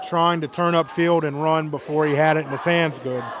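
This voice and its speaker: Crowd noise sounds in the background as a man speaks with fairly high pitch and fairly even intonation. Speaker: football play-by-play announcer. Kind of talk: live commentary. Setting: stadium near the band. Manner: loud.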